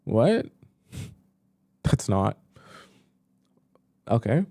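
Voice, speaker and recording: A young live-stream dating coach reads viewer questions aloud, reacting in disbelief as he goes, in a casual, chatty style heavy with fillers. His lowish, warm voice is slightly rough, sing-song and full of drawn-out words. The studio sound is clean with no echo.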